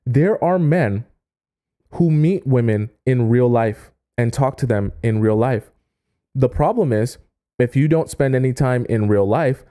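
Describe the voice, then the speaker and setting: Man, dating coach, livestream talk, mellow dark voice, emphatic pauses, answers chat. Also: medium pitch. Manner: slow emphatic pauses to stress points; reads viewer chat aloud and answers it.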